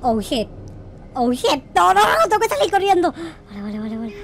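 Guy doing a panicky noob minecraft character, squeaky high voice all over the place, frantic and repeating himself. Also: very animated, moderate pace, gravelly, fairly bright tone, a little hiss or hum, full character voice. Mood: panicked. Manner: frantic, repetitive, exclamatory. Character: panicky, excitable, naive noob game character. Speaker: gaming video creator. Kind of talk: excited Minecraft roleplay commentary. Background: faint music.

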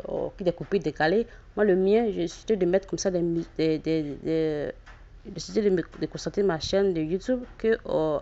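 A woman with a West African accent in French, casually addressing her channel's viewers in a halting, repetitive way with frequent false starts. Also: mid-range voice, a little mellow. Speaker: YouTube channel host. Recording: dull lo-fi voice recording.

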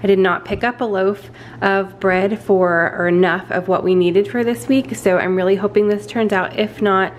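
In her home kitchen, a vlogger casually explains a bread recipe, chatting away and poking a little fun at herself. Her medium-pitched voice has fairly even intonation and a moderate pace. The lo-fi recording carries a little hiss or hum.

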